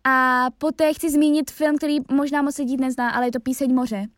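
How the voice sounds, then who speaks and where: A young woman talks casually about her work as a voice actress, chatty and reflective, and she often lets her sentences trail off. Her voice sits high. The recording is dry and close, with no room sound. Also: fairly even intonation, no room sound. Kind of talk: casual chat about her dubbing roles.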